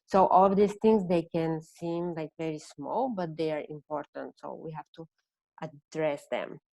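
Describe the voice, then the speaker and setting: A woman from Bulgaria with a Bulgarian accent presenting an online seminar, speaking haltingly as she searches for words in non-native English. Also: low voice, vocal fry, warm tone, no room sound. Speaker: presenter, counselor.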